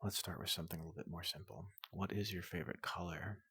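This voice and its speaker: A man playing a big, gentle robot doctor in a soothing ASMR roleplay, speaking in a hushed, breathy half-whisper with a polite, reassuring manner. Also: low voice, fairly even intonation, full character voice. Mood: gentle, curious. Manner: slow, gentle, reassuring, repeats questions softly.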